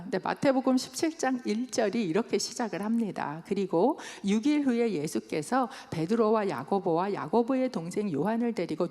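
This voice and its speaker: A woman's voice: medium pitch, a little mellow. A woman in her fifties, a pastor telling stories in a sermon and raising her voice when she quotes others. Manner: storytelling, quoting with raised voice. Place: church sanctuary. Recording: long hall reverb.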